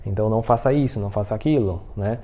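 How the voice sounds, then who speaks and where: A man teaching an online Mandarin lesson in a warm, mellow voice. He explains patiently and keeps checking that the listener is following. He says his example phrases slowly and carefully. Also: on the low side, a little hiss or hum.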